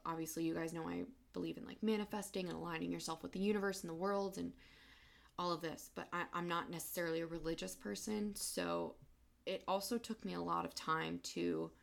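Tearful woman with a low, gravelly voice. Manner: emotional, halting, soft-spoken. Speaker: podcast host. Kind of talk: personal podcast monologue.

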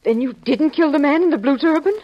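A woman's voice: high voice, a little fast, lightly acted. A woman acting an anxious, devoted wife in a melodramatic 1950s radio drama, heard on a dull vintage recording. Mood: insistent, distressed.

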